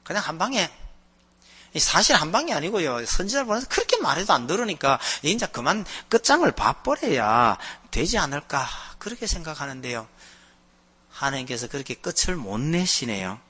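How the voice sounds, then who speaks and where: A man's voice: on the high side, very animated, fairly quick, bright, forceful tone, slightly rough. A male pastor preaching a sermon, telling anecdotes with animation and acting out the voices in them.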